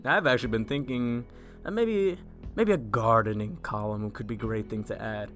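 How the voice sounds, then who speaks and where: A man's voice: lowish voice, normal speed, fairly bright tone, faint music behind, lightly acted. An actor playing an earnest, mild-mannered, apologetic newspaper man in an audio drama. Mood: pleased, hopeful.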